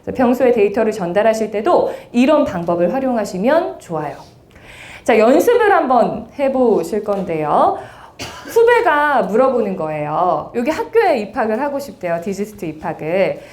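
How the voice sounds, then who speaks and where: A woman's voice: fairly high pitch, normal speed. A woman speech lecturer giving an interactive seminar lecture in a university lecture room, talking straight to her audience. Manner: lively, addresses the audience directly.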